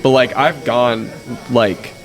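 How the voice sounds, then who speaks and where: A man with a raspy voice, hoarse from a head cold, chatting bluntly as a guest and swearing freely. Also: medium pitch, takes it slowly, over music. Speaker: wrestler guest. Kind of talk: casual interview chat. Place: busy tattoo expo floor. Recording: loud crowd noise around. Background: loud crowd chatter.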